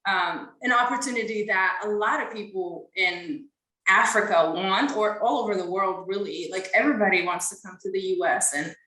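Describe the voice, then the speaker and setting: A woman's voice: medium pitch, moderate pace, pushed and bright, echoey room, low-quality recording. A young woman from Ethiopia, a podcast guest, answering interview questions in an earnest, casual way with frequent fillers.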